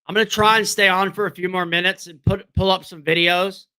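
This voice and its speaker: High-voiced man losing his voice. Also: fairly even intonation, brisk, sharp tone, clean tone. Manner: rambling, repeats himself. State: losing his voice, throat-clearing. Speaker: livestream host. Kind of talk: casual livestream talk to viewers.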